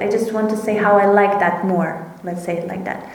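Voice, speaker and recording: With a non-native accent, a woman of medium pitch speaks at a moderate pace amid noticeable background noise and audible room echo. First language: not English. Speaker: spiritual speaker. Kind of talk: lecture. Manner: halting.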